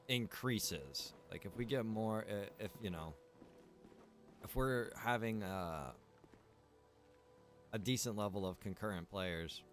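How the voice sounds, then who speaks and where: A man with a fairly low voice talks casually as he streams a game. His delivery is informal and slangy, like someone chatting with friends, and he swears freely. Music plays behind him. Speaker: streamer and game server developer.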